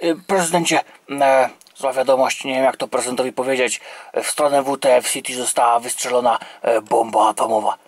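Male VO: low, hesitant cartoon soldier, halting delivery. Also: fairly even intonation, slightly rough, no echo. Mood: nervous. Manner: hesitant, full of fillers. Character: timid male special-unit soldier toy figure.

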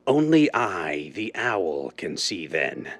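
An actor playing a blind, cold criminal mastermind in a deliberate, commanding, theatrical 1930s radio drama style. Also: male voice, sits low, very animated, fairly bright tone, no echo, faint music behind, exaggerated voice. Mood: contemptuous, boastful. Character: blind, cold, menacing male crime mastermind called the Owl. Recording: noisy vintage-style radio drama recording.

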